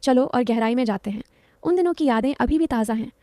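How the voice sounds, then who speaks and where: A woman's voice: fairly high pitch, expressive, brisk, warm tone, no room sound, studio quality. A woman narrating a story in the first person, in a confiding, dramatic way.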